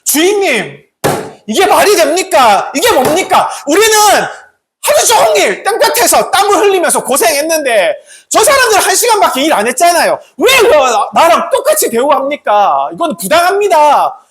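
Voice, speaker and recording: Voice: sits high, sing-song, moderate pace, background noise, voice pushed up. A preacher acting out angry day laborers who protest their equal pay, in a raised, pleading voice during a sermon. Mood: indignant. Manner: indignant, pleading, rising loudness. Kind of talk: sermon storytelling.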